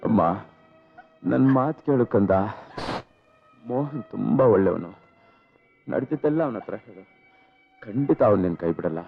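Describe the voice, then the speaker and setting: A man's voice: medium pitch, expressive, moderate pace, creaky, pauses often, slightly rough. An actor playing an aging imprisoned father who tenderly soothes and pleads with his daughter. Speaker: jailed father. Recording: dull lo-fi film soundtrack with faint music.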